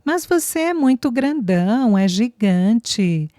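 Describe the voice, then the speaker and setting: A woman voicing a small, lively little girl who talks in a childlike, eager, earnest way. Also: fairly high pitch, takes it slowly, no room sound, clean studio sound, pitched above the performer's own voice.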